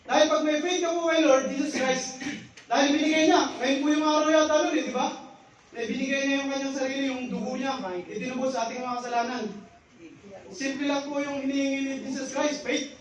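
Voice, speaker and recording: A man's voice: very high voice, steady tone, brisk, heavy reverb, distant mic, low-quality recording. A man in his thirties giving a church devotional, sharing a prayer and a story. He repeats his phrases and often adds tag questions. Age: 30s.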